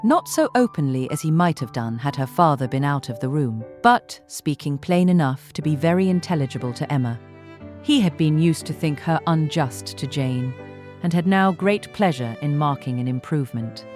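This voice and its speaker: A woman reading scripted literary narration as an audiobook narrator in a measured, articulate way. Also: deep voice, animated. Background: soft instrumental music.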